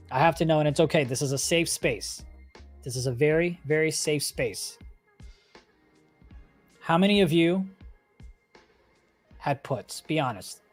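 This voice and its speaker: A man with a slightly high voice hosts a casual trading livestream over faint background music. He speaks informally and conversationally, addressing viewers directly as he gives live commentary. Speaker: livestream host and stock trader.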